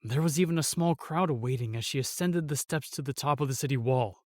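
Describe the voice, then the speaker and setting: A man playing a solemn, remorseful knight in a fantasy audio drama, telling things in a halting, weighty way. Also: mid-range voice, darkish tone, no echo, natural voice. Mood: bitter, regretful. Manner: halting, weighty storytelling with sighs and pauses. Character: solemn, remorseful knight, sworn protector of the realm.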